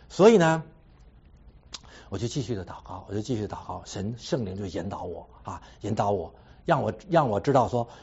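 Self-mocking and lively, a husky-voiced Christian man tells his personal testimony to a congregation in a mid-range voice with a swooping delivery. He laughs at himself between points, repeats phrases, and ends lines with a habitual "ha". The sound is dull and lo-fi.

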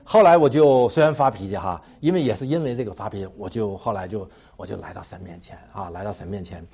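A man's voice: lowish voice, quick pace, vocal fry, husky, dull audio. A man giving a personal testimony to a congregation, repeating phrases, tacking a casual "ha" onto his sentences and laughing at himself between points. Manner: animated storytelling with repeated phrases and a habitual trailing "ha".

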